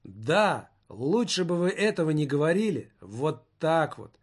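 A man's voice: fairly high pitch, sing-song, measured pace. A man voicing a frightened, whining male festival director who moans and pities himself. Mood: self-pitying. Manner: whining, moaning, self-pitying.

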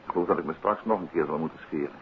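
An actor playing an unruffled gentleman detective and teasing husband in a 1950s radio play, wry and courteous. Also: very deep voice, rapid-fire, vocal fry. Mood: teasing, relaxed. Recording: muffled, hissy 1950s radio recording.

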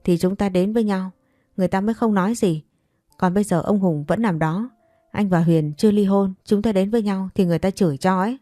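A woman's voice: mid-range voice, fairly quick, dark tone, no room sound, clean studio sound, soft background music, lightly acted. A woman reading the part of an exasperated man who scolds his secret lover. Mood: scolding.

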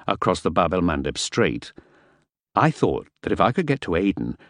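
A man reading a first-person novel aloud as an audiobook narrator, measured and wry. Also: low voice, no echo.

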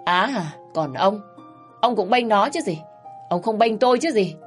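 A woman's voice: expressive, brisk, natural voice. A woman voicing a harsh, scolding older mother-in-law who nags shrilly, over faint music. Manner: shrill, nagging, raising her voice.

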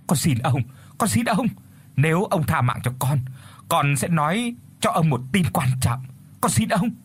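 A man voicing a hoarse, grovelling coucal bird in a told story. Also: a little high, very animated, moderate pace, pitched above the performer's own voice, exaggerated voice. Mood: begging. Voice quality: raspy, hoarse. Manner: grovelling, begging.

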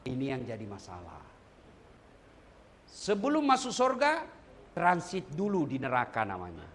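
A man preaching at a condolence gathering, animated and humorous, often speaking straight to his listeners. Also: mid-range voice, a little slow, slight background noise. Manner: animated and humorous, addressing listeners directly as "Pak". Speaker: Islamic preacher.

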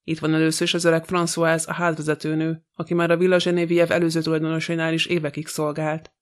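A man's voice: a little high, monotone, close to an everyday voice. A man reading an audiobook, voicing a male police commissioner giving a plain, matter-of-fact report.

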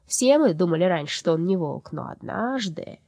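A woman's voice: lowish voice, lively intonation, normal speed, mellow, no room sound. A woman reading an audiobook voices a scheming old female black soul who speaks in a falsely sweet, sly way. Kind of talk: storybook character voice.

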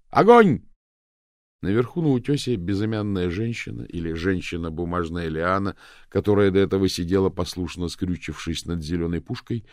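A man reading an adventure novel aloud as narrator, expressive and raising his voice for the characters' shouts. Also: low-pitched, no echo, studio quality. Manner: expressive, raises voice for shouted lines. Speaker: audiobook narrator.

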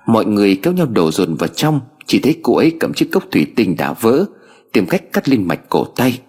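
A man narrating a dramatic story in an expressive way. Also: on the low side, fairly quick, breathy edge.

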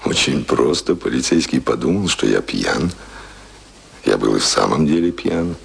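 An idealistic young ex-sailor and writer in a radio play. The voice is low and very animated, with a creaky edge. He speaks with stubborn passion, by turns tender and vehement. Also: moderate pace, exaggerated voice. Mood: tender, lovestruck. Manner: impassioned, swings from tender to vehement. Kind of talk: Russian radio play acting. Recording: music behind, studio radio play.

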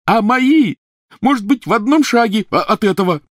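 A man's voice: fairly high pitch, very animated, normal speed, no room sound, clean studio sound, voice pushed up. Ron, a man voicing a furious teenage boy. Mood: angry. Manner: shouting, resentful, sarcastic. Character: angry bitter teenage boy wizard.

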